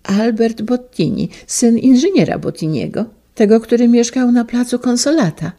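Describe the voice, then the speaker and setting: A woman voicing a gentle, wistful elderly male schoolteacher, speaking softly and haltingly. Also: on the high side, animated, pitched above the performer's own voice. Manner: soft, halting and tender.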